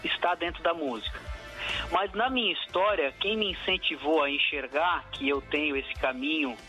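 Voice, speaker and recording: A man's voice: fairly high pitch, normal speed, sharp tone, faint music behind. A man from southern Brazil with a southern Brazilian accent, a musician answering radio interview questions in a reflective way, full of fillers and restarts. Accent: southern Brazilian Portuguese. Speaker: musician guest.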